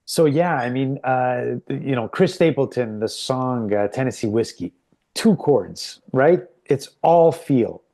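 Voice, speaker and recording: A man's voice: mid-range voice, animated, slow pace, warm tone. A man hosting an interview, talking casually and appreciatively with many restarts. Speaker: host.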